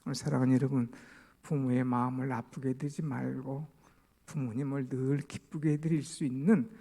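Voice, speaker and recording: 거친 결의 목소리로 이야기하듯 설교하는 남자 목사, 조용한 속삭임과 힘찬 권면을 오간다. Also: male voice, mid-range voice, little pitch movement, moderate pace, creaky. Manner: storytelling, swinging from hushed asides to raised exhortation. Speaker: senior pastor. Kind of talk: sermon.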